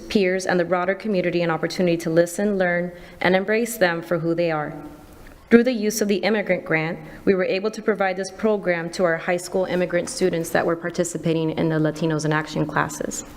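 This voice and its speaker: A woman on district staff reading a prepared program summary to a board in a steady, formal way. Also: mid-range voice.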